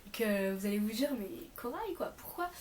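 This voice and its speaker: A woman's voice: mid-range voice, animated, fairly quick, a little mellow, roomy sound, slight background noise. A young woman vlogging casually to camera in an informal, rambling way, her voice a bit off because she is mildly ill. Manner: informal, rambling, self-correcting. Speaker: vlogger presenting a shopping haul.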